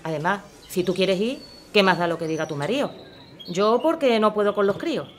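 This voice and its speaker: A woman's voice: mid-range voice, lively intonation, fairly quick, a little hiss or hum, close to an everyday voice. An actress playing a harried, outspoken young mother in a radio drama. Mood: chiding.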